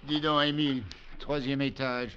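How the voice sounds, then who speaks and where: An actor playing a deferential hotel porter with a French accent, in 1940s radio acting. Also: male voice, medium pitch, level tone, moderate pace, lo-fi sound, close to an everyday voice. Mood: obliging. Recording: hissy old radio broadcast, heard from off-mic.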